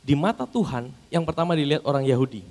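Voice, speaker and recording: A man's voice: on the high side, animated, fast talker, darkish tone. A man preaching a sermon as pastor, calling the congregation brothers and sisters and posing questions that he answers himself. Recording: long hall reverb.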